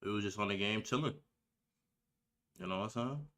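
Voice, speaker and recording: Setting up his stream, this nineteen-year-old gamer and reaction creator chats casually with viewers, full of slang and totally laid-back. He talks briskly in a fairly low, fairly bright male voice.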